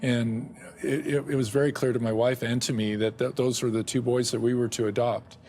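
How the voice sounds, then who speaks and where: A middle-aged man answering interview questions about his work and family, speaking haltingly with frequent restarts and soft chuckles. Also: medium pitch, little pitch movement, a little hiss or hum. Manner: halting, many restarts and repeated words; chuckles often. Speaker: guest, ministry director.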